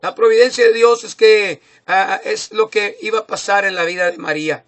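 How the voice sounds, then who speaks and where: A man's voice: high-pitched, fairly even intonation, normal speed, fairly bright tone. A man preaching a sermon, speaking with many fillers and tag questions and rising in volume for emphasis. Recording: phone recording.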